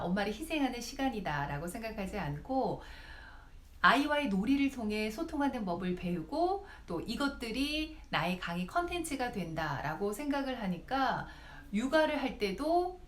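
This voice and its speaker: A woman's voice: mid-range voice, slight background noise. A woman speech lecturer and YouTuber giving advice, speaking directly to her viewers. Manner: lively, directly addresses viewers. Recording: roomy echo.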